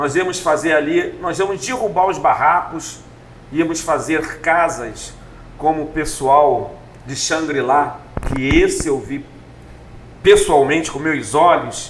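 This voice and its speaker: Over noticeable background noise and audible room echo, a man with a fairly high pitch talks at a very slow pace with ordinary pitch variation and long, frequent pauses. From Rio de Janeiro, Brazil. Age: 60s. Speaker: community leader and activist. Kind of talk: interview. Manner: animated.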